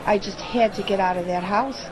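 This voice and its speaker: A woman acting in an audio drama as an expressive, chatty friend. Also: mid-range voice, moderate pace, close to an everyday voice, rough recording. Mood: uneasy. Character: rattled woman, playful old friend, nostalgic for her teens. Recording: busy public background chatter.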